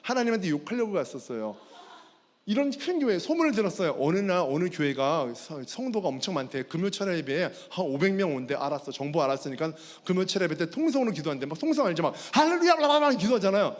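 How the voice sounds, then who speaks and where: A man's voice: a little high, sing-song, fast talker. A fitness trainer giving a personal faith testimony at a school chapel service. He tells the story with animation and keeps calling out to the audience. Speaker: fitness trainer and guest speaker. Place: large worship hall. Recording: long hall reverb.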